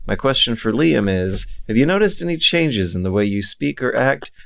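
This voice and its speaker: Gravel-voiced male co-host, stumbling starts, reads listener mail. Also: mid-range voice, big pitch swings, fairly bright tone, slight background noise. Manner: halting, repeats words when starting sentences. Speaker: podcast co-host reading listener questions. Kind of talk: casual podcast chat.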